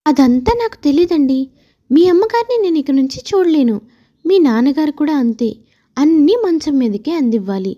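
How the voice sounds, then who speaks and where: A woman's voice: high-pitched, expressive, moderate pace, mellow, dull audio. A woman voicing an aggrieved young wife and daughter-in-law in a story, complaining and argumentative. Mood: defiant.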